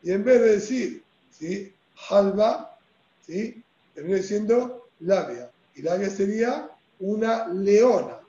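In a religious text lesson on the Talmud, a man with a Rioplatense Spanish accent speaks in a fairly high voice with a dark, mellow tone and lively intonation. He takes it slowly, explaining step by step and checking his listeners follow, while the dull, lo-fi recording carries an echoey room.

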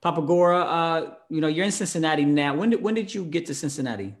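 A man hosting a podcast, asking his guests relaxed questions in easy, casual chat. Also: on the high side, fast. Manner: easygoing, asks relaxed questions. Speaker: podcast host.

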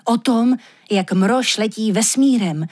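A woman voicing an anxious male magic reindeer who talks in a slangy, pleading way, with a husky voice. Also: on the high side, darkish tone, close to an everyday voice. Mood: urgent, pleading.

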